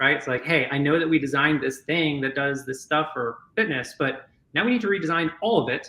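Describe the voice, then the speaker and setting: The man's pitch sits fairly high, with ordinary variation. His tone is bright and sharp. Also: fairly quick pace. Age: 40s. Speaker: inventor and former pro skater. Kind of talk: interview. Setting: live stream.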